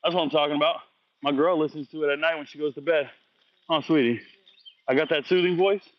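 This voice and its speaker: This man hosts a high school football recruiting vlog and, post-workout, casually responds to viewer comments with blunt, slangy trash talk. He speaks fast in a fairly high, steady voice, captured in a dry, lo-fi recording.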